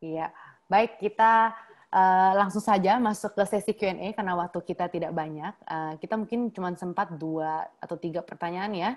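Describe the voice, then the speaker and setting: This is a plain, everyday voice with fairly even intonation. The background is quiet. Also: woman, medium pitch for a woman, moderate pace. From Indonesia. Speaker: moderator, school alumnus; moderator. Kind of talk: panel discussion moderation; moderating panel talk. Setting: video call. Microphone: earbuds.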